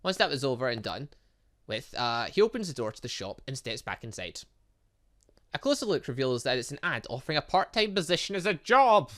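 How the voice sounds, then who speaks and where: A man's voice: mid-range voice, very animated, a little fast, fairly bright tone. A man doing a let's play, reading visual novel dialogue aloud expressively, often stumbling over words and adding side comments. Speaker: gaming channel host.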